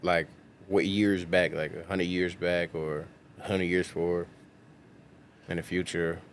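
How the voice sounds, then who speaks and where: A man's voice: low voice, level tone, a little slow, slight background noise. A man hosting a podcast, asking short casual questions and affirming the guest briefly. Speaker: podcast host.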